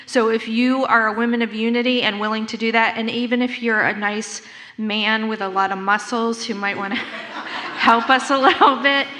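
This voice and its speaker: A woman's voice: on the high side, steady tone, normal speed, pushed and bright. A woman making an informal church volunteer announcement in an effusive, conversational way.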